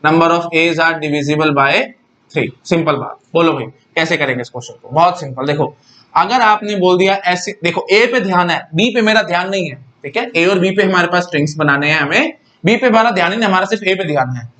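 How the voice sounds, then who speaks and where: A man's voice: high voice, expressive, fairly quick, bright, forceful tone. A man teaching a computer science lesson in a chatty, repetitive style, often calling his students "brother". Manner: chatty, repeats words, often addresses listeners as brother. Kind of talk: casual lecture to students.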